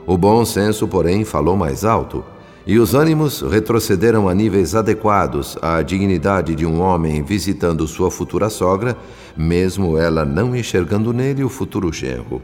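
A man narrating a scripted radio drama in formal, measured, literary phrases. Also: low voice, lively intonation. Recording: long reverb, soft music behind. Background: faint music.

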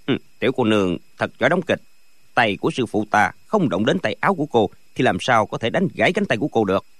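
A man's voice: medium pitch, very animated, fast talker, dry recording. A man playing a shrewd young swordsman who mocks and accuses. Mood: mocking.

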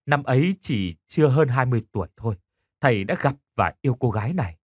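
Guilt-stricken teacher, pleading and stammering, voiced by a man; husky, animated pitch. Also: fast, no echo, studio quality. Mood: confessing. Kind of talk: horror audiobook reading.

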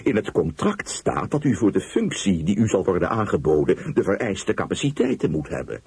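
A male reader voicing an older wealthy gentleman who is boisterous and exclaims loudly when pleased. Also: deep voice, big pitch swings, normal speed, husky, dry recording, exaggerated voice. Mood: measured. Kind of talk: audiobook reading.

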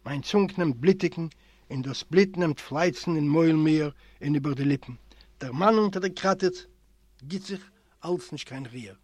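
Male audiobook reader, native Yiddish speaker. Expressive literary reading in a slightly high register, recorded dry. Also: normal speed, no echo. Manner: expressive, voices characters with raised pitch. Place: library recording room.

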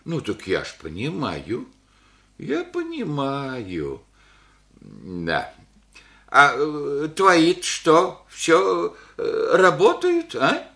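An actor playing an old village widower, gentle and grieving, talking in folksy rural speech with sighs. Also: male voice, on the high side, wildly swooping pitch, roomy sound, full character voice. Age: older. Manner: folksy rural speech, slow and rambling, sighing. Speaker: elderly village father. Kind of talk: radio play acting.

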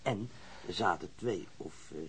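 A man playing a self-assured wounded policeman in a radio drama, matter-of-fact, pausing as he recalls. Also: low voice, slight background noise. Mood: recalling, assured. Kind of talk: naturalistic radio drama acting.

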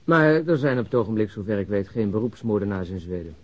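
A man playing a gruff, skeptical police detective in a radio drama, brusque and sardonic. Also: on the low side, animated, fast talker, a little mellow. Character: gruff, skeptical male police detective, grudgingly following along. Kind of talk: Dutch radio drama acting. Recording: dull, lo-fi radio drama recording.

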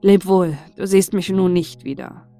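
A woman's voice: lowish voice, steady tone, a little slow, dark tone, faint music behind. Woman acting a stern, admonishing male saint. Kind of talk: fairy-tale storybook character voice.

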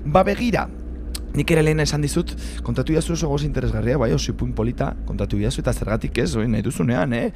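A man's voice: mid-range voice, lively intonation, fast, natural voice. A man playing a chatty, encouraging taxi driver in radio theatre, rambling and repeating his words. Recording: loud vehicle noise behind the voice.

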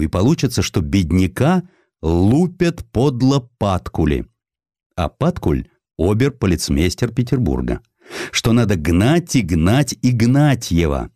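A man narrating a historical literary essay from a script in an expressive, theatrical manner. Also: sits low, no echo, studio quality. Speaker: audiobook narrator.

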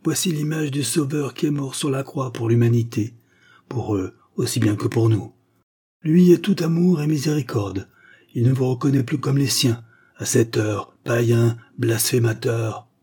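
A man's voice: mid-range voice, normal speed, dark tone, breathy edge, voice pushed up. A man reading aloud, voicing an old white-haired village priest who commands an angry crowd in a raised, preaching voice. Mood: commanding.

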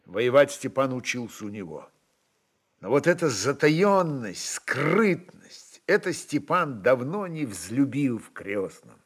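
A man's voice: mid-range voice, big pitch swings, slow pace, husky. A man narrating a literary story for radio in a dramatic reading style.

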